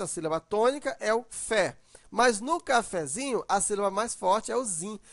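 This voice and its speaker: A man teaches a grammar lesson in a fairly high voice. He explains patiently, tags his sentences with little questions, and stretches out example words to show how they sound. The recording is dry and close, with no room sound. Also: a bit bright, no room sound. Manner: tag questions sprinkled through.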